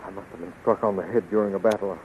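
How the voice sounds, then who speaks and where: A man's voice: low-pitched, fairly even intonation, quick pace, phone-quality sound, lightly acted. A man playing a brave young space adventurer, earnest and melodramatic, in a 1930s radio serial. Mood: confused. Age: young adult. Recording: thin, noisy 1930s radio recording.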